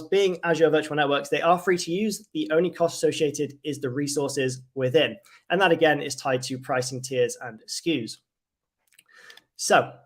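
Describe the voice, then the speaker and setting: Upbeat man presenting a tech livestream. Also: a little high. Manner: enthusiastic, lots of "wonderful" and "fantastic". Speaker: cloud advocate presenting a livestream.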